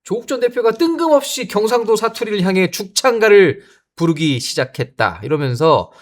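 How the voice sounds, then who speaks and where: A man hosting a political talk show, moderating with quick, teasing interjections. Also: high-pitched, big pitch swings. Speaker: host.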